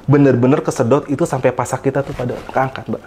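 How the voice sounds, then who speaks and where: A man's voice: medium pitch, steady tone, fast, a little mellow, a little hiss or hum. A man, casually telling a horror story as a guest, repeating words for emphasis.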